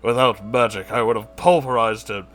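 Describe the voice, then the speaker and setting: A man's voice: on the low side, steady tone, moderate pace, fairly bright tone, lightly acted. A man voicing a pompous, boastful male neckbeard anime fan who makes grandiose, theatrical declarations in a comedic story reading. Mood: boastful taunting.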